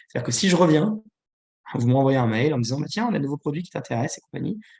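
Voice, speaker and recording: The man's voice sounds somewhat breathy. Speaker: business founder presenting a webinar. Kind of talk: webinar presentation. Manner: fast; hesitant, many fillers.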